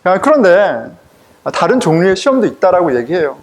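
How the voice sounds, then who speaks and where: Male pastor preaching, high voice, bouncy, jokey storytelling, keeps asking the congregation stuff. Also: sing-song, brisk. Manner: conversational, humorous, laughs while telling stories; asks the congregation questions. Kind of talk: sermon with personal anecdotes.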